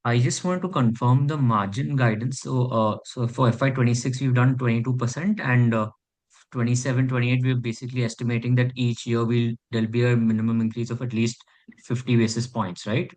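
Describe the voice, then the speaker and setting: A man's voice: medium pitch, steady tone, a little fast, a little mellow. A man speaking as an investor, putting a question to management on a conference call.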